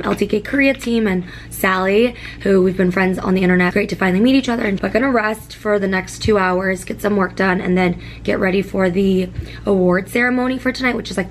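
A young woman talks to a camera close by in a quiet room, in a friendly vlog style with plenty of "like" fillers. Her voice is worn and a little hoarse after days of talking. Her pitch sits in an ordinary middle range, with a faint hum behind her. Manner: chatty, upbeat, frequent "like" fillers. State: hoarse, voice partly lost. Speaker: lifestyle vlogger. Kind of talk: casual vlog chat to camera. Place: hotel room and home bedroom, indoors. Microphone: camera facing her at arm's length.

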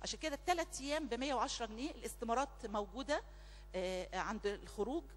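A woman's voice: a little high, racing, a little hiss or hum. A woman with an Egyptian Arabic accent leading a church prayer meeting, speaking emphatically and repeating her phrases fervently. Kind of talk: church announcements and spoken prayer. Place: large church hall. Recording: long church reverb, faint music behind.

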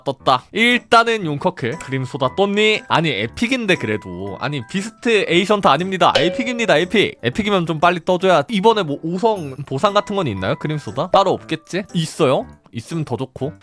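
A male game channel host giving chatty, excitable commentary on each gacha pull. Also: on the high side.

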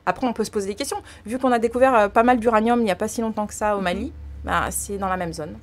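A woman's voice: medium pitch, fairly even intonation, fast, crowd noise. A woman in her thirties co-hosting a radio talk show, pressing the guest with questions at a studio mic. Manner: pushes the guest with questions, teasing. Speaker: radio co-host. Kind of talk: casual studio chat. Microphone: studio mic on boom, headphones.

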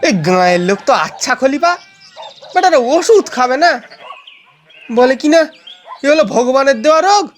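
A man's voice: very high-pitched, very animated, moderate pace, long pauses, a little hiss or hum. A man playing a bossy, grandiose young gang leader, declaiming and easily exasperated, in a theatrical audio drama. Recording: music behind the voice.

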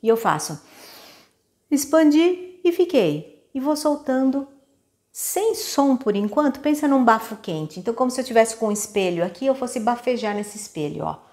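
A woman's voice: fairly high pitch, lively intonation, normal speed, darkish tone. Brazilian woman teaching singing, patient and instructive. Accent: Brazilian Portuguese. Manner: patient, instructive, checks in with "tá?" often. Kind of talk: vocal lesson with demonstrations.

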